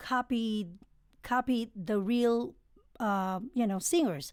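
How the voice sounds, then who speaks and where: Someone with a Filipino accent speaks at a fairly slow pace on a very clean recording with a silent background. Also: woman. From Philippines. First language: Tagalog. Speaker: singer. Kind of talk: casual interview.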